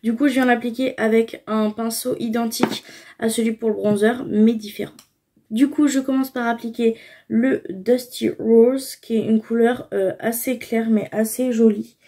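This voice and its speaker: A woman's voice: fairly high pitch, steady tone, normal speed, warm tone. A young woman casually talking through her makeup routine, explaining each step with frequent fillers. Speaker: beauty vlogger.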